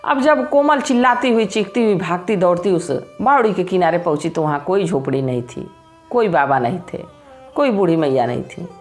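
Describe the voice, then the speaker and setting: Brief: woman devotional storyteller, animated and moralizing, soft music underneath. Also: on the low side, moderate pace. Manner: expressive, preachy, addresses listeners directly. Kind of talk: religious story narration.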